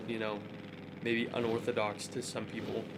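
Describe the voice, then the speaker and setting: A man talks at a middling speed while room echo is audible and background noise is noticeable. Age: 20s. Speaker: gaming streamer. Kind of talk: casual chat. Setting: live stream.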